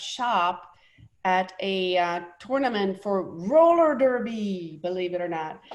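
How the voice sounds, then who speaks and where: With a slight Swedish accent, a woman talks fairly slowly with lively intonation. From Sweden. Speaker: company founder. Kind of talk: event speech. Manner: hesitant, many fillers.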